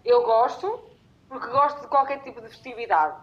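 A woman's voice: on the high side, expressive, normal speed, muffled recording. A woman talking informally in a group conversation. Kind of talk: casual group chat.

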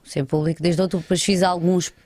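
A woman's voice: on the low side, steady tone, quick pace, a little mellow, no room sound. A woman comedian and presenter with an Alentejo Portuguese accent, chatting casually in an interview and acting out quoted voices.

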